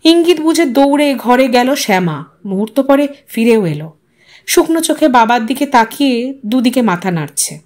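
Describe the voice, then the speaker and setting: A woman storyteller reads literary fiction dramatically. Her voice is high, and her pitch moves in a lively, animated way through the narration. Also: moderate pace.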